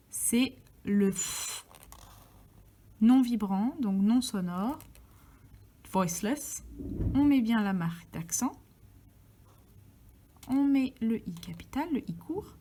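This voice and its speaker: Woman teaching phonetics, talks real slow and mellow, half whispers as she writes. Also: medium pitch. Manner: slow, talks to herself while writing, drops into soft whispers. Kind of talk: step-by-step transcription lesson.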